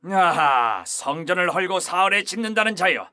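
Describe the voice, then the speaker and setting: Male actor as intense, sharp-voiced biblical man. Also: high voice, animated, normal speed. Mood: mocking. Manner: declamatory, intense. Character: dramatic men of the crucifixion story, crying out boldly. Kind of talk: dramatized Bible reading.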